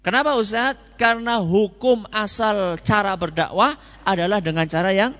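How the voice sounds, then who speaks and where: Preacher in an echoey hall. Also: male voice, sits high, moderate pace, a bit bright, dull audio. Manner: storytelling, rhetorical questions answered himself. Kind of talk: Quran commentary lecture.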